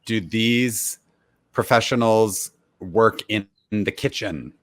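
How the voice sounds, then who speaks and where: A man's voice: on the low side, takes it slowly. A man playing as a game contestant, asking casual questions and chiming in agreeably with the others.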